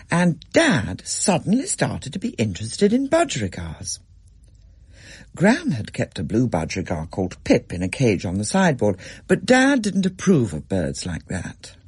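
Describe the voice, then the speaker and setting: Man reading a story aloud, husky voice, pitch rising and falling a lot, dry close sound. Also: dry recording. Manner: measured storyteller, expressive. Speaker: narrator. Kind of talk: scripted story narration.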